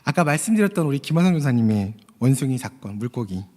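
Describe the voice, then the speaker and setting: Male preacher, earnest sermon delivery, warm husky voice with lively pitch, long church-hall reverb. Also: fast. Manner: earnest, tells a story with quoted voices, addresses listeners.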